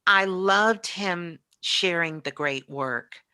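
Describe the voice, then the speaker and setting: A woman reminiscing in casual conversation as a show host, halting and repeating words as she reflects. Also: on the low side, bright, forceful tone.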